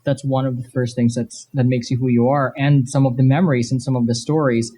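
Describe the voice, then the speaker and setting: A man's voice: mid-range voice, level tone, fairly quick, warm tone, husky. A man talking casually and emphatically as a guest on a panel at a live convention. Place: live comic convention panel before an audience. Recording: live event, background noise.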